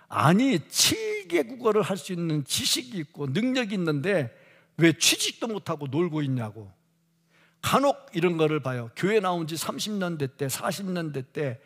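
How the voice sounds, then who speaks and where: A man's voice: a little high, husky. A man preaching a sermon in a church sanctuary, talking conversationally, asking rhetorical questions and laughing at times. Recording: reverberant church hall.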